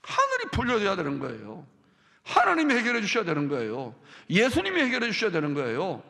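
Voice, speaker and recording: A male pastor with a Gyeongsang accent preaching a sermon, swinging from hushed lines to loud ones. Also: high voice, wildly swooping pitch, a little fast, vocal fry, big-room sound. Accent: Gyeongsang Korean. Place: church sanctuary.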